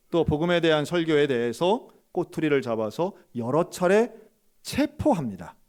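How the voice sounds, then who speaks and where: Pastor preaching with a lively, rising voice. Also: male voice, on the high side. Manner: storytelling, acts out quoted dialogue with sharp rises; direct questions to the congregation. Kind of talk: sermon.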